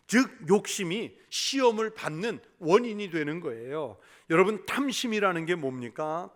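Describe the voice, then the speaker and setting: A male pastor preaching a sermon, putting rhetorical questions to the congregation and dropping to a hush for emphasis. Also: high-pitched.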